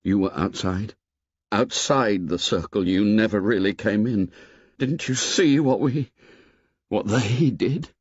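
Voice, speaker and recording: A man voicing a shaken boy leader who speaks low and haltingly. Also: husky, dry recording, dull audio. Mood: stricken.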